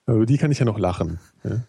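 Male co-host. Husky, relaxed tone, informal, self-deprecating chat. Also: fairly low pitch, no room sound, studio quality. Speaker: podcast co-host. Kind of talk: casual chat.

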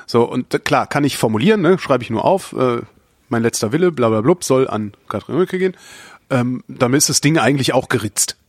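A man's voice: mid-range voice, animated, brisk, no room sound, clean studio sound. A man hosting a podcast, chatting casually and bluntly, reading out listener questions. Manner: blunt, swears casually, reads listener mail aloud. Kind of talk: casual chat.

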